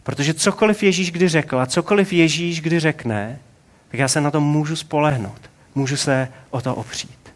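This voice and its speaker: Speaking with a fairly high pitch, this man in his forties delivers a sermon as if in casual conversation, tossing out rhetorical questions as he goes.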